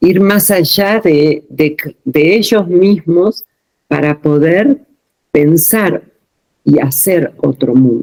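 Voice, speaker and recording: With a dark, mellow tone and fairly low pitch, a woman talks at a very slow pace using lively intonation. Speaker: director of a postgraduate institute. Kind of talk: informal talk to live online audience. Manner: slow, deliberate.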